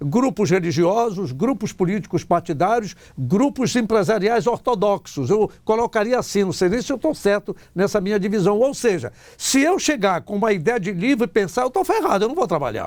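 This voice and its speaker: With lively intonation and hardly any pauses, a man with a high pitch talks at a moderate pace. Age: 60s. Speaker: TV show host. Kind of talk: TV interview discussion. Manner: animated.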